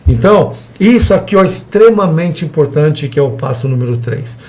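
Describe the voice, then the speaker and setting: A man's voice: on the high side, expressive, brisk, a little mellow. Man teaching a church evangelism seminar. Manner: conversational, quotes imagined dialogues with people.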